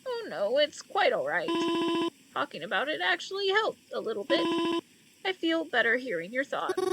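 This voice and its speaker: A woman voicing a heartbroken elderly mother at her daughter's funeral, speaking slowly and gently. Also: high voice, big pitch swings. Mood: grateful. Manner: slow, tearful, gentle. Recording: loud background noise.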